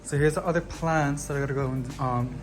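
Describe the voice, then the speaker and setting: A man's voice: medium pitch, steady tone, fairly quick, music in the background. A young man hosting a casual, chatty vlog in a bubbly, gushing sorority-girl manner. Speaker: host of a plant haul vlog. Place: at home, indoors.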